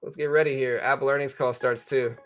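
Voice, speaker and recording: Bright-voiced man in casual market livestream commentary. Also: mid-range voice, steady tone, fairly quick. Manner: informal, conversational, explanatory, hedging both sides. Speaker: livestream host and stock trading commentator.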